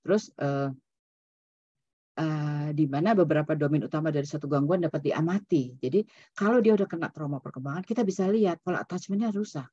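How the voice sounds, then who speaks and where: Lady psychologist doing a webinar lecture, casual and chatty, a bit breathy, muffled video call audio. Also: low-pitched, brisk, mellow, no echo. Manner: conversational, mixes in English terms, many "gitu ya" tags. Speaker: psychologist presenting at a seminar. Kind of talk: online seminar lecture.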